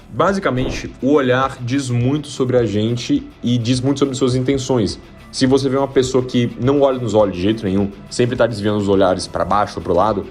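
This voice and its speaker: A man's voice: mid-range voice, a little mellow. A man coaching viewers in an instructional video, explaining things plainly and speaking straight to the audience. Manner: direct, explanatory, addresses viewer. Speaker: self-improvement coach.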